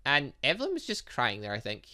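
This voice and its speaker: A man hosts a gaming let's play with an animated, swooping delivery. His voice is bright and forceful at a middling pitch. He reacts out loud to the story as he goes. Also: fairly quick. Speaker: gaming channel host. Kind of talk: let's play commentary, reading game dialogue aloud.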